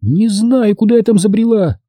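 A man's voice: high voice, normal speed, dark tone, no room sound, studio quality, voice pushed up. A man reading an audiobook, voicing a tipsy young woman who rambles indignantly through her points. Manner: drunken rambling, counting points.

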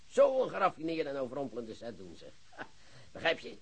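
An actor playing an excitable, boastful police chief who lectures his colleagues in a radio play. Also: mid-range voice, fairly quick, gravelly, husky, exaggerated voice. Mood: excited, lecturing. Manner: animated, theatrical, lecturing colleagues. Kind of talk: Dutch radio drama acting.

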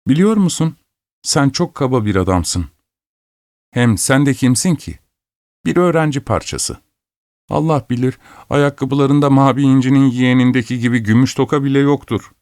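A man's voice: lowish voice, fairly even intonation, a little fast, mellow, clean tone, dry recording, studio quality, natural voice. A man voicing a spoiled young woman in a storybook reading, speaking with scornful dismissiveness. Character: haughty spoiled young woman, professor's daughter.

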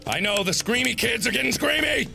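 A man playing a horror game with excitable let's-play commentary, jumpy and dramatic, swearing and swinging from hushed muttering to screaming. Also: very high-pitched, brisk, gravelly, over music.

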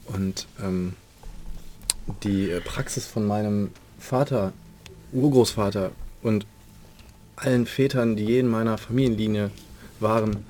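A man's voice: fairly low pitch, unhurried, pauses often, mellow, slight background noise, natural voice. A man playing a nervous dentist on the run, who rambles hesitantly and protests his innocence. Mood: rambling. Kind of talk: in-character roleplay.

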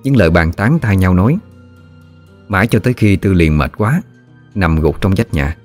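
A man tells a ghost story in a steady, unhurried manner. His voice is very low and even. Faint music runs under the narration.

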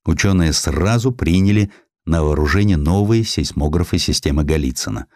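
A man narrating a literary historical sketch as an audiobook, in an expressive, measured, dramatic storytelling manner. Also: very deep voice, no echo, clean studio sound.

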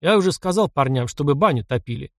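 Seasoned taiga hunter, voiced by a man, blunt, proud, simple phrasing, slightly high. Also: expressive, fast talker, no room sound, clean studio sound.

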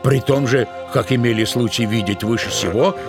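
A man narrating a literary tale as part of an audio drama, in an expressive, dramatic storytelling manner. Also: mid-range voice, moderate pace, creaky, over music.

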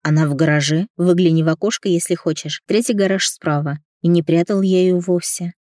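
A woman's voice: fairly low pitch, steady tone, brisk, warm tone, dry recording, clean studio sound, close to an everyday voice. A woman doing a drowsy, grumbling young man. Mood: sleepy.

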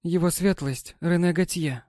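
A man voicing a gentle, loving wife of a sea captain in an audiobook, speaking softly and coaxingly. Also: on the high side, measured pace, no room sound, clean studio sound, voice pushed up, close to an everyday voice. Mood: tender. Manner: soft, tender and coaxing. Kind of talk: audiobook character voice.

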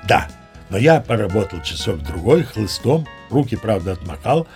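A man's voice: on the low side, sing-song, moderate pace, darkish tone, soft background music. An actor playing a boastful old sea captain, chatting to the listener as he spins tall tales in an audio play. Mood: boastful storytelling. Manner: chatty, self-satisfied storyteller addressing the listener. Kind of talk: audio play storytelling monologue.

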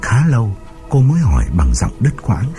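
A man's voice: medium pitch, huge pitch swings, moderate pace, mellow. A man narrating a ghost story in a suspenseful, dramatic audiobook style, over background music.

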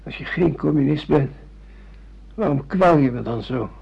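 Gravelly, confused, compliant man. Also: a little high, lively intonation, moderate pace, exaggerated voice. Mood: bewildered. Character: confused, compliant grown son being re-educated. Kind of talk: Dutch radio drama acting. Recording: dull radio recording, faint hum.

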